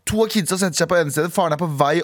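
A young man co-hosting a radio talk show tells a story in loose, casual chat. His voice sits a little high, and he acts out the people in his story with sudden leaps in pitch. He is recorded on a studio microphone.

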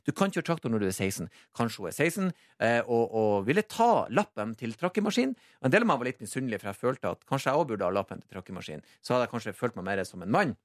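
A man's voice: mid-range voice, sing-song, hardly any pauses, no room sound, studio quality. A man hosting morning radio, telling a story with lots of life and acting out sounds and his own thoughts. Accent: Norwegian. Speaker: radio show host.

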